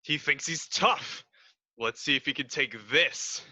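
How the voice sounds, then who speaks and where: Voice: mid-range voice, measured pace, pushed and bright, breathy edge, no echo, heavily acted. An actor playing a tough, sneering young henchman in a radio play, curt and threatening. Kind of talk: old-time radio play acting.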